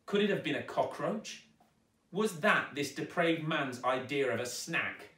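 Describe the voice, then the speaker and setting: A man narrating a children's story aloud with dramatic, expressive delivery, recorded in a roomy space at some distance. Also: a little high, a little slow. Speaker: storyteller, actor reading aloud. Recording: roomy echo, distant microphone.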